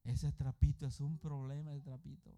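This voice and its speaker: A man preaching a sermon as pastor, emphatic and swinging between loud and soft as he keeps calling out to his congregation. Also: fairly high pitch, level tone, normal speed.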